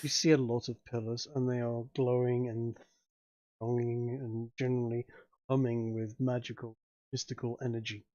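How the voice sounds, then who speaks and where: A man narrating a tabletop game as game master, improvising in a halting way with repeated words. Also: mid-range voice, little pitch movement, mellow, dry recording, muffled recording.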